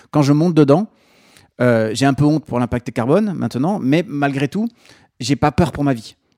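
This man's voice has a dark, mellow tone and a fairly high pitch. He talks at a fairly quick pace in a very clean recording with a silent background. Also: dry, close sound with no echo. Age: 40s. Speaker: sociologist and AI researcher. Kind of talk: interview. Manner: hesitant, many fillers.

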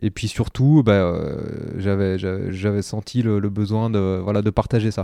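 A man's fairly low voice has a dark, mellow tone and fairly even intonation. The sound is dry and close with no echo, on a very clean recording with a silent background. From Haute-Savoie, France (Arve valley near Chamonix). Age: 30s. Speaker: trekking agency director and mountain guide. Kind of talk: casual interview conversation. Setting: home recording, shared microphone. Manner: hesitant, many fillers.

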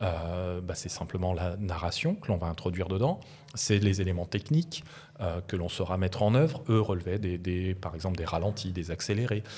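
A man's very deep, low voice, dark and mellow in tone and somewhat breathy, with ordinary pitch variation at a moderate pace. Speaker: podcast host. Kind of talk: casual chat. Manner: animated.

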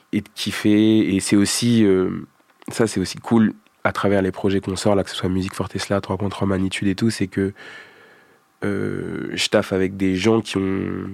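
Flat, monotone intonation from a man with a fairly low voice at a moderate pace, the sound dry and close with no echo. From France, Paris then Grenoble area. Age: 20s. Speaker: rapper. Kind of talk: casual interview. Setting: studio.

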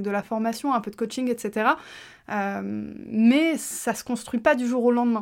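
Recorded very cleanly against a silent background, a woman with an unremarkable speaking voice talks at a fairly high pitch with fairly even intonation. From France. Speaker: business coach and podcast host. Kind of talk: casual solo podcast monologue. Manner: spontaneous, with laughter.

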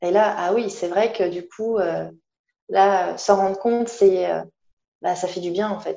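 Speaking very slowly with long, frequent pauses, a woman uses a medium pitch, a dark, mellow tone and monotone, flat intonation. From northern France, Lille area. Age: 30s. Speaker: life coach. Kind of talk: interview.

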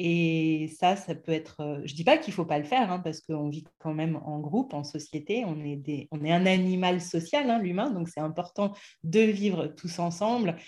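Over a quiet background, a woman with a plain, everyday voice speaks at a moderate pace with hardly any pauses, her pitch fairly low with ordinary variation. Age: 40s. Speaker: psychologist and podcaster. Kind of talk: casual interview.

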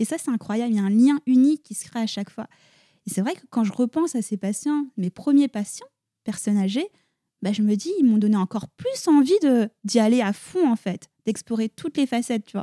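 Fairly quick and lively, a woman's fairly high voice carries a dark, mellow tone in a dry, close sound with no echo. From France. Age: 30s. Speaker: clinical psychologist. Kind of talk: interview conversation. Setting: psychologist's office.

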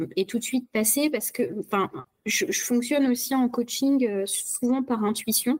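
A fairly slow pace with ordinary pitch variation. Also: woman. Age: 30s. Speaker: real estate sales manager. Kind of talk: interview.

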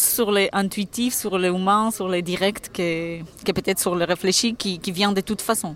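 At a moderate pace, a woman speaks with fairly even intonation and a medium pitch. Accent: non-native. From Israel. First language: not French (speaking French). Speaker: orchestra conductor. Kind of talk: interview. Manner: halting.

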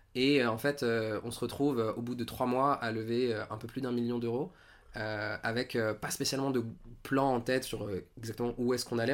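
A man with an ordinary speaking voice at medium pitch and moderate pace, fairly even intonation, in a very clean recording with a silent background. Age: 20s. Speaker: startup founder. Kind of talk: interview. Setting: at the host's home.

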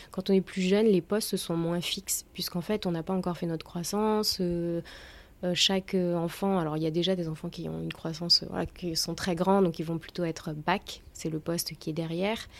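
In a very clean recording with a silent background, a woman speaks at a moderate pace in a fairly low pitch with monotone, flat intonation. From France, Auvergne. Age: 30s. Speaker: cheerleading athlete. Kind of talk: casual interview.

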